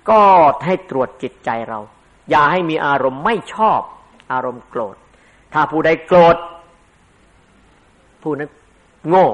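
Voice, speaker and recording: Older male monk-teacher, sermon delivery, somewhat high voice, conversational with emphatic bursts. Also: fairly bright tone. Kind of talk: dharma sermon.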